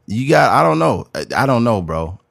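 A man's voice: medium pitch, big pitch swings, normal speed, gravelly, a bit bright, dry recording, clean studio sound. A man co-hosting a podcast in casual chat, talking loosely and rambling with lots of filler words. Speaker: podcast co-host.

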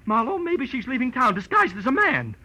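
A man's voice: very high voice, big pitch swings, fairly quick, bright, forceful tone, full character voice. An actor playing a nervous, stammering, easily shocked man in a 1940s radio drama. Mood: flustered, agitated. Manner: stammering, fussy, agitated. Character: flustered, nervous, timid male helper, easily shocked. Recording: muffled, noisy old radio recording.

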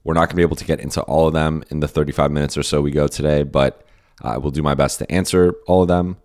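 Hoarse, tired man with a very deep voice. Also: steady tone, fast talker, a little mellow. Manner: rambling, many restarts and fillers. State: hoarse, lost his voice and tired. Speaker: podcast host and basketball beat writer. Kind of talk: casual solo podcast answering listener questions.

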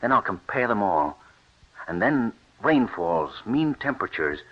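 An actor playing a determined wheat scientist who speaks in a driven, persuasive way, in an old radio drama. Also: male voice, lowish voice, very animated, measured pace. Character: determined wheat scientist husband, middle-aged man. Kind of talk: 1940s radio acting. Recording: dull lo-fi old radio recording.

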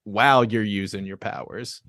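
A young man co-hosting a casual podcast, talking in an animated way. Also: lowish voice, normal speed, dry recording, studio quality. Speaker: podcast co-host. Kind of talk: casual chat reviewing a TV show.

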